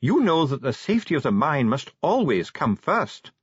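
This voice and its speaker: A man acts out a formal, guarded male dwarf official in a fantasy audiobook. He speaks stiffly and evasively, in a raised, slightly husky voice. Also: fairly high pitch, sing-song, normal speed, no echo, dull audio, pitched above the performer's own voice. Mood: firm, formal.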